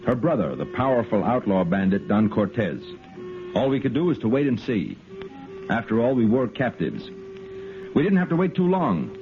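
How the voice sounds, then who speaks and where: A man's voice: medium pitch, sing-song, moderate pace, over music. A man playing a firm adult cavalry lieutenant who also narrates a 1950s radio drama. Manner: firm, commanding. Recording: tinny 1950s radio broadcast.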